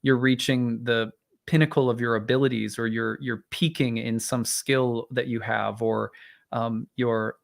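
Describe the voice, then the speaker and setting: A hoarse male astrologer rambling live. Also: mid-range voice, flat delivery, measured pace. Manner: rambling, hesitant, frequent fillers and restarts, clears throat. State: voice strained and tiring. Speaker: astrologer, live stream host. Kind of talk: casual livestream talk and chart reading.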